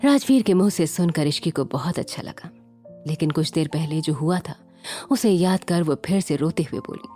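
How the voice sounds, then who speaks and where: A woman narrating a romance serial in a steady, expressive reading voice. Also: sits low, moderate pace, faint music behind. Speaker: storyteller. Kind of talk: scripted story narration.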